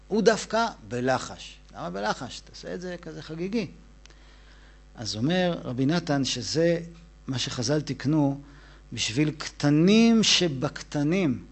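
A man giving a Hasidic Torah lesson who talks softly, dropping almost to a whisper and then rising with emphasis. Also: on the high side. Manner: soft-spoken, drops to a hush, then rises with emphasis. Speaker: Torah teacher.

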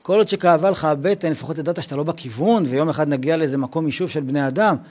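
A man's voice: fairly high pitch, darkish tone. A man giving a Passover Torah lesson in a conversational, slangy way, acting out both sides of imagined conversations. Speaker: Torah teacher. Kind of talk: Passover lesson with acted dialogue.

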